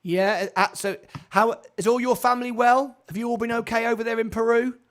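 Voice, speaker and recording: High-voiced chatty male call-in host. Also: steady tone, fairly quick, a bit bright. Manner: chatty, repeats himself, stumbles over words. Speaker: show host. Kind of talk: live call-in chat show. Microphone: video call.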